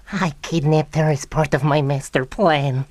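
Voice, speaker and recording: An actor, a man, playing a petulant young mad scientist villain with a pompous, excitable delivery in a comedic radio drama. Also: a little high, slow pace, no echo. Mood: smug, commanding. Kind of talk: comedic old-time radio drama acting.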